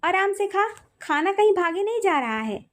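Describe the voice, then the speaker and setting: A woman's voice: very high voice, sing-song, normal speed, pitched above the performer's own voice. A woman voicing a teasing older brother who banters mockingly with his sister.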